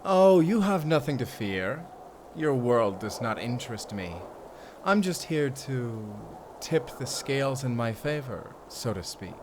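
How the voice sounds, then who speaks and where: A man's voice: medium pitch, sing-song, measured pace, noisy background. A man playing a gloating, menacing fantasy villain in an audio drama, with a mocking, theatrical delivery. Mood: smug, menacing.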